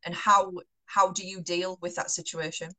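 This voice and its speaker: A woman's voice: on the low side, little pitch movement, moderate pace, bright, forceful tone, poor audio. A young woman interviewing a trainer in a casual chat, asking long, self-correcting questions.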